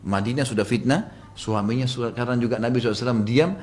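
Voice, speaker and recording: A man's voice: medium pitch, fairly even intonation, very fast, a little mellow. A male preacher tells a religious story in the easy, chatty tone of a study session. He talks to his audience plainly, sprinkling in casual filler words, with a mid-range voice.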